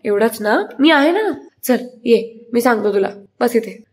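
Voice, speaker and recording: This is a boastful young husband who laughs at his own jokes, spoken by a woman retelling the scene. He teases and insists, repeating his pleas. The voice sits slightly high and stays close to a narrator's own. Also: animated, a little slow, darkish tone. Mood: playful.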